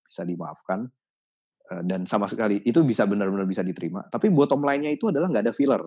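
A man in a casual podcast chat, explaining his advice thoughtfully with many pauses and restarts. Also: fairly low pitch, lively intonation, husky, lo-fi sound. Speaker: podcast guest.

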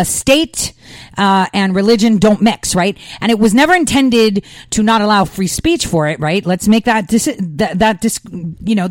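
A woman's voice: medium pitch, no room sound. A woman from the United States giving emphatic political commentary, peppering her talk with fillers and rhetorical questions.

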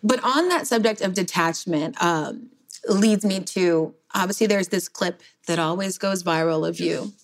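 A woman hosting an interview who asks thoughtful, probing questions in a relaxed conversational way. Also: on the low side, unhurried.

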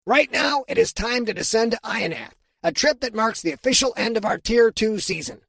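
A man reading an audiobook and voicing a tiny, gravelly alien football coach who speaks formally and solemnly. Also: very high-pitched, animated, a little fast, a bit bright, no room sound, voice pushed up, full character voice. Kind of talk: audiobook character voice.

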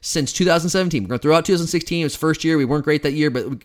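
A man in his thirties hosting a sports podcast, talking in an excited, emphatic way with frequent restarts. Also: fairly high pitch, very fast. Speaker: podcast host. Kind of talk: casual sports podcast monologue.

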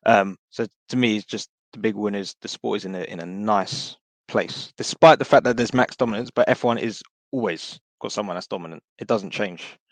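Hoarse guy on a podcast, low gravelly voice, rambling, dry close sound. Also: moderate pace, no room sound. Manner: rambling, many restarts and fillers. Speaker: podcast panelist. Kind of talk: casual chat.

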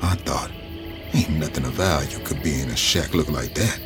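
A man's voice: rumbling low, moderate pace, music in the background. A man giving reflective, scripted first-person narration in a storytelling drawl.

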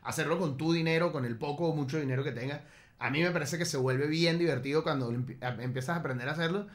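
A man in his late thirties chats informally in a fairly high voice. He has a Venezuelan accent and a slangy, halting delivery, often repeating words as he works through a thought. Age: late 30s. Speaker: podcast participant. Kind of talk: casual chat among friends.

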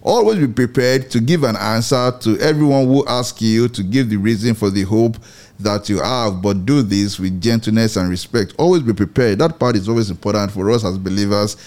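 A man's voice: on the low side, darkish tone. Earnest male Christian radio host. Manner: measured, earnest, repeats and rephrases words.

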